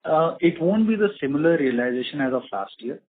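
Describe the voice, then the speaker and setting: A man's voice: on the high side, lively intonation, a little fast. Indian man on a tinny phone line. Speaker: company executive answering investors. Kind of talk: earnings call question and answer. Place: conference call. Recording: muffled narrowband phone line, slightly rough.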